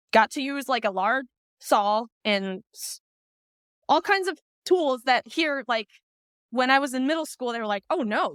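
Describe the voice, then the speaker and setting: High clear-voiced woman podcast host. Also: no room sound. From Iceland. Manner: chatty, lively, talks through ideas with asides. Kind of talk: casual conversation.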